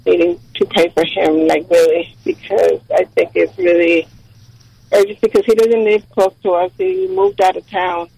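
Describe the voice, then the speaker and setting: A middle-aged woman from Texas calling into a radio show to ask for prayers, hesitant and worried, with many pauses. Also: on the low side, fairly even intonation, gravelly, mellow, husky, no room sound, poor audio. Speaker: caller. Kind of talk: phone-in caller asking for prayer.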